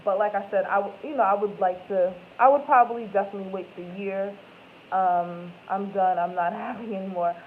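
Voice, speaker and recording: A woman's voice: medium pitch, brisk. A woman in her twenties chatting casually with viewers as host of a live stream, rambling and correcting herself as she goes. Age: 20s. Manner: rambling, self-correcting, lots of "like" and "um". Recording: tinny phone-like audio with faint noise.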